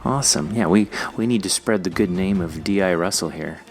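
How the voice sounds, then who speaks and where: Low-voiced man hosting a casual interview. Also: a little fast, soft background music. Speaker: podcast host interviewing an author.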